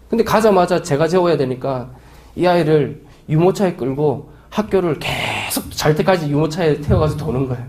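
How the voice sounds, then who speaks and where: A man in his forties, a missionary pastor, preaching a sermon with lively, anecdotal storytelling and acted-out voices. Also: a little high. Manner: animated storytelling, acting out quoted voices.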